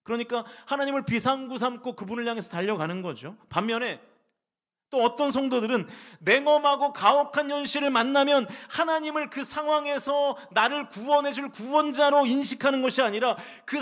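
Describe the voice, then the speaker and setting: A man's voice: very high voice, brisk, a bit bright. A middle-aged male pastor giving a sermon in a church, asking the congregation rhetorical questions and voicing people's complaints to God. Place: church sanctuary.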